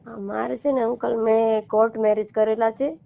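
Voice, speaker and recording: A woman in her thirties from Gujarat with a Gujarati accent, explaining haltingly and repetitively as a caller seeking help. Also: fairly high pitch, level tone, vocal fry. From Gujarat, India. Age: 30s. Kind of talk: casual phone conversation. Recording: narrow, muffled phone-call line.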